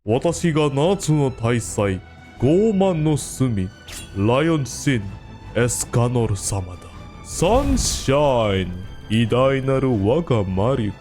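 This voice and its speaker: A man's voice: mid-range voice, very animated, measured pace, a little mellow, soft background music, voice pushed down. A man voicing an arrogant, proud anime warrior in a pompous, declamatory amateur demo. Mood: haughty, menacing.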